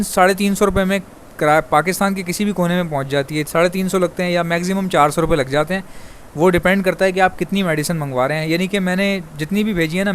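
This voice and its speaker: Fast-talking man from Pakistan. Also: a little high, a little hiss or hum. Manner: rapid, chatty, addresses viewers as brother. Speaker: bird breeder vlogger. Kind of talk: fast casual monologue to viewers.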